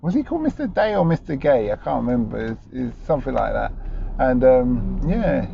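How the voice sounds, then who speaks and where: A middle-aged cabbie putting halting questions to his passenger, the sound dull and full of road noise. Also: medium pitch, big pitch swings. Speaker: podcast host, taxi driver interviewing rider. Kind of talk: casual interview chat. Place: inside a moving taxi. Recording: dull in-car recording, clear road noise.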